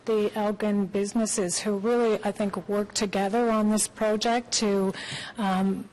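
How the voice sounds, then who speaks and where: A woman's voice: mid-range voice, fairly even intonation, measured pace, a little mellow, rough recording. A woman with a mid-range voice speaks in a formal committee setting. She talks as a councillor addressing and questioning staff.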